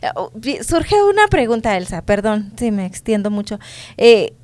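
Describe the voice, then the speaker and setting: A woman's voice: mid-range voice, sing-song, normal speed, darkish tone. A woman co-hosting a Christian advice talk, speaking in an earnest, reasoning way. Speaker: co-host.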